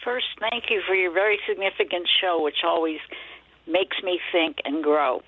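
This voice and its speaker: An older woman calls in to a radio show and speaks graciously and earnestly. Her voice sits a bit low and comes through a narrow, dry phone line. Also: steady tone, normal speed, dry recording. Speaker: caller. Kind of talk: call-in question.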